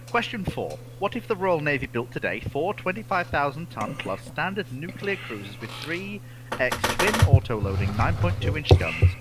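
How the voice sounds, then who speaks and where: A man's voice: fairly high pitch, very animated, normal speed, noisy background. A man chatting on a panel, reading questions out and commenting in a blunt, hyperbolic way. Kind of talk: animated casual panel chat.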